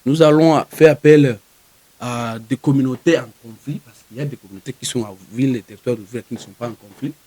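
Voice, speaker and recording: A man with a Congolese French accent giving a formal, wordy press conference statement as a spokesperson, phrasing things deliberately. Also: medium pitch, warm tone. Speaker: spokesperson for a community organisation.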